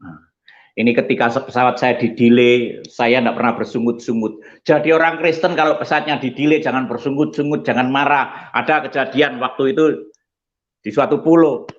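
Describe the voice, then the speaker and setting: A male pastor giving an animated testimony sermon, telling stories and acting out the people in them. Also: medium pitch, normal speed, dull audio. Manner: animated storytelling, acts out quoted voices.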